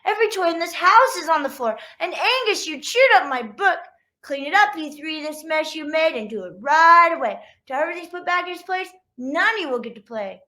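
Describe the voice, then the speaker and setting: Woman reading as a high-voiced, patient mother dog. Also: expressive, fairly quick, sharp tone. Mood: exasperated, firm. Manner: rhyming, instructive, patient. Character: mother dog firmly, lovingly counseling her squabbling pups. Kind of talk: children's picture-book read-aloud.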